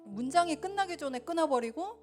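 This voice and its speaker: A woman preaching a sermon in a church, earnest and swelling louder then dropping soft. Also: sits high, lively intonation, a little fast, faint music behind. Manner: earnest, rises and falls in loudness. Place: church sanctuary.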